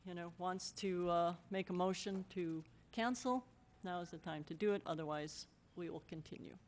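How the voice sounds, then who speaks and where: A woman's voice: fairly low pitch, normal speed, a little mellow. A middle-aged American woman speaking informally as the mayor chairing a council meeting, on a desk microphone in a council chamber. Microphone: gooseneck desk microphone.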